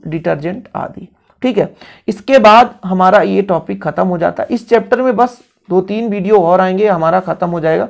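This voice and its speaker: Gravelly-voiced male chemistry teacher. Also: sits high. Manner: coaxing, keeps checking in with listeners; asks and answers own questions. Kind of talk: coaching-class lecture.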